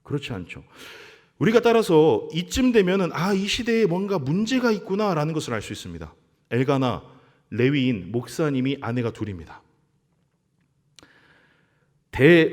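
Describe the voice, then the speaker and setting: A man preaching as pastor at a midweek church service, acting out quotes in a lively way. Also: a little high. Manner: animated preaching with acted-out quotes. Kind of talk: sermon. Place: church sanctuary. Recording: church hall reverb.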